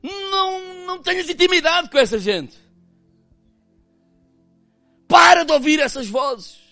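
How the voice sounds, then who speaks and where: A man with a European Portuguese accent preaching a sermon as pastor, swinging between impassioned loud passages and hushed, quiet ones. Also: very high voice, measured pace, creaky, no room sound, soft background music.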